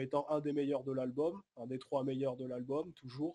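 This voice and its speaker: At a moderate pace, a man speaks in a dark, mellow tone with a fairly high pitch. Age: 20s. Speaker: rapper. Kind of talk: interview.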